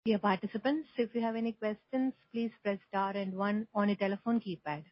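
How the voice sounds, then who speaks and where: A woman's voice: medium pitch, fairly even intonation, fairly quick, no echo. Polite female call moderator, muffled line. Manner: polite, formulaic. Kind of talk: scripted operator announcements. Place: conference call. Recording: muffled conference phone line.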